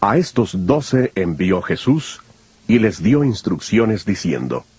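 A man narrating scripture from a script in a formal, measured manner. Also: fairly low pitch, sing-song, darkish tone.

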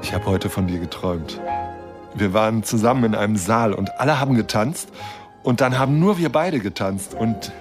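An actor playing a lonely, lovestruck but mistrustful astronomer in a German radio drama, speaking earnestly in short plain sentences. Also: male voice, on the low side, moderate pace, natural voice. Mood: wistful, longing. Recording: music behind the voice.

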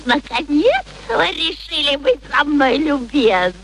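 A woman's voice: high-pitched, sing-song, a little slow, a bit bright, exaggerated voice, rough recording. An actress playing a brash, touchy young flower girl in a theatrical radio play, whining and indignant. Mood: cocky. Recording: old radio recording, faint noise.

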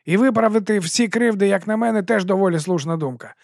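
A man plays a shifty, pushy street vendor in a storybook, with a high, brassy, slightly gravelly voice. He hawks his wares loudly and wheedles every customer, recorded dry and close. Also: fast talker, no echo. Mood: hawking. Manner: wheedling sales patter, loud hawking.

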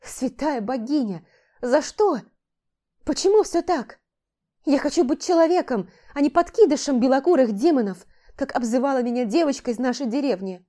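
A woman's voice: fairly high pitch, animated, measured pace, dark tone, voice pushed up. A woman voicing a young fantasy heroine who pleads emotionally in a raised, strained voice. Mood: distraught. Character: young heroine, frightened and indignant. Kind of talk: audiobook character voicing.

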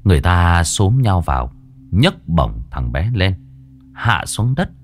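Guy narrating a ghost story, low voice that swings all over. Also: slow. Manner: lively expressive storytelling.

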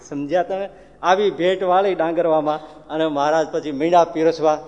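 A male preacher telling devotional stories in an animated way, acting out the characters and speaking directly to his audience. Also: fairly high pitch, moderate pace, dull audio. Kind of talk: devotional storytelling sermon. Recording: long hall reverb.

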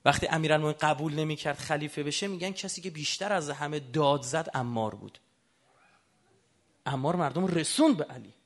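A man giving a religious sermon who keeps putting rhetorical questions to his audience. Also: fairly high pitch. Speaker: religious lecturer.

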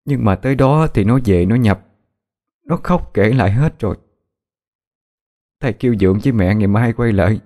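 A man's voice: normal speed, long pauses, dark tone, close to an everyday voice. A man voicing a grieving middle-aged mother who talks sadly. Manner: sad, low-spirited.

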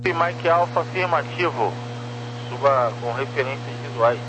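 A Brazilian man speaks through a humming, clearly noisy two-way radio in the style of police radio traffic. His pitch is middling, and he gives air traffic instructions in clipped procedural phrases, reading numbers one digit at a time. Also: normal speed. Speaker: air traffic approach controller.

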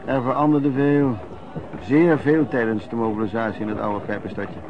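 A man's voice: mid-range voice, flat delivery, moderate pace, close to an everyday voice. Man playing an earthy old vagrant storyteller, muffled. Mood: reminiscing. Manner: hesitant, repeating words, colloquial storytelling. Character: old vagrant recalling wartime lodging-house life, earthy storyteller. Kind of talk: radio drama acting, reminiscing monologue. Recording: muffled old radio recording, background noise.

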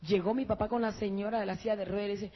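A woman giving an emotional church testimony, speaking to listeners as brothers and rising to high, excited peaks. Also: racing, husky. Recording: muffled lo-fi church recording.

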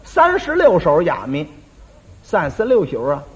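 Crosstalk guy telling a story, stammery teasing, high husky voice, lo-fi old tape. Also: huge pitch swings, a little slow. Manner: stammering, teasing back-and-forth. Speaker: crosstalk performer. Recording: dull lo-fi old recording.

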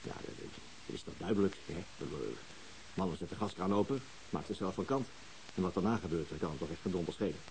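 A man's voice: low-pitched, quick pace, a little mellow, rough recording. A man acting a pragmatic, weary police detective in a radio drama, colloquial and dry. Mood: reluctant. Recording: faintly hissy old radio recording.

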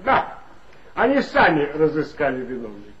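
An actor playing an authoritative male police chief in a 1960s radio play, with a smooth, insinuating, lecturing manner. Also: fairly high pitch, huge pitch swings, normal speed, fairly bright tone, slight background noise. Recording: dull lo-fi old radio recording.

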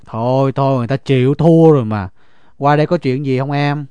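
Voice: medium pitch, fairly quick, warm tone, clean tone, no echo, lightly acted. Someone voicing a teasing young country boyfriend. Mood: coaxing. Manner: bantering, wheedling. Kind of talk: audio story dialogue.

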